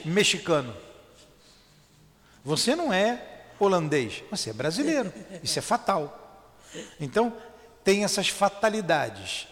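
A man teaching spiritist doctrine, emphatic, asking questions and answering them himself. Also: high voice. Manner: emphatic, asks and answers his own questions. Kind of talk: didactic explanation with rhetorical questions. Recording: reverberant room.

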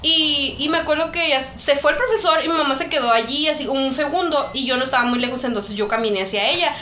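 A woman's voice: high voice, fast. A young woman with a Mexican accent, animatedly telling a personal story in a casual podcast chat, laughing often. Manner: animated, laughs often, acts out quoted voices. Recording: echoey room with faint noise.

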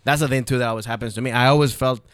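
A man with a Venezuelan Spanish accent talks in a casual, rambling way, circling back and restarting his thoughts. His voice is smooth and clear. The sound is close and dry. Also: medium pitch, fairly even intonation, rapid-fire, no echo. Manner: rambling, many restarts and fillers. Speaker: comedian podcast host. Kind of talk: casual chat.

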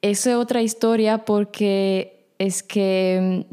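Slovak-native woman, hesitant guest, mellow tone, smooth clear voice. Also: medium pitch, steady tone, takes it slowly. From Slovak minority in Romania. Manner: hesitant, many fillers. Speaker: podcast guest. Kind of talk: casual interview chat.

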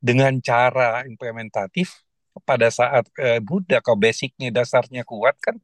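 A man's voice: mid-range voice, moderate pace, no room sound. A man, speaking as a guest on a panel, hesitant and full of restarts. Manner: hesitant, many fillers and restarts. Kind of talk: casual panel discussion.

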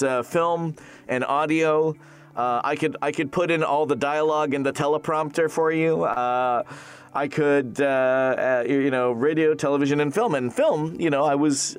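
A man's voice: on the high side, clear, resonant tone. A man, a Canadian-raised voice actor, chatting casually in an interview with lots of restarts and fillers. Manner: rambling, many restarts and fillers. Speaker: voice actor guest.

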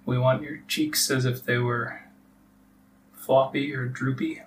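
A man leading a guided relaxation meditation as a teacher, giving soft instructions with long pauses. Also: medium pitch, flat delivery. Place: live group meditation session. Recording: distant mic with faint background noise.

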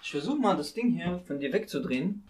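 A man's voice: fairly high pitch, lively intonation, fairly quick, darkish tone. A man hosting a casual chat in colloquial youth slang. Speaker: podcast host.

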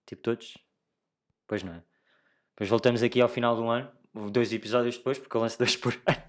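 A young adult man with a European Portuguese accent hosting a solo podcast in a casual, slangy chat, thinking aloud haltingly and addressing listeners directly. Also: mid-range voice, steady tone. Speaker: podcast host.

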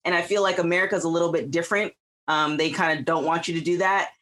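Woman from Canada, co-host, lower pitch, chatty and filler-heavy. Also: fairly even intonation, fast talker, a bit bright. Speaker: interview host. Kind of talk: casual interview.

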